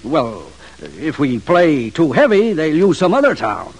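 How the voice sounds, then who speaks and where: An actor in a 1940s radio drama playing a nervous frontier mayor who hedges and stammers. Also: male voice, a little high, huge pitch swings, a little slow, darkish tone, slightly rough, exaggerated voice. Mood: hedging. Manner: flustered, stammering.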